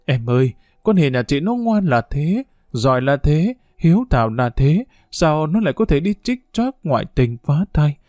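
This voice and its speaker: A man's voice: fairly high pitch, sing-song, normal speed, darkish tone, no echo. Grieving mother pleading, read by a man. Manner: pleading, lamenting. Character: grieving mother, middle-aged woman, desperate.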